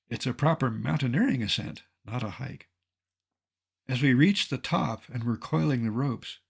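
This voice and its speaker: A man in his seventies from Colorado, a naturalist giving an illustrated lecture with dry, wry humor and a measured delivery. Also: medium pitch, gravelly, husky. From Colorado, United States. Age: 70s.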